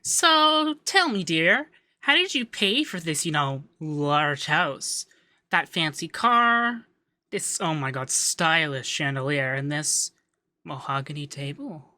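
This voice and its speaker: Man acting a bright-voiced, coy, effeminate young accountant. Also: fairly high pitch, expressive, slow, no echo, full character voice. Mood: teasing, probing. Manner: coy, teasing, lilting, hesitant in places. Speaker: ASMR voice actor. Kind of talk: ASMR roleplay.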